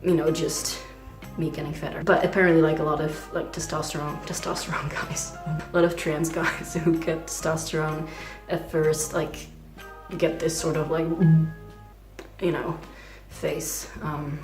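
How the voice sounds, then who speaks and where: A young trans man talking in a casual video diary, hesitant and full of fillers, with a fragile voice that sometimes skips between low and high. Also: level tone, measured pace, roomy sound, soft background music. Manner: hesitant, many "like" fillers, nervous laughs. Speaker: vlogger.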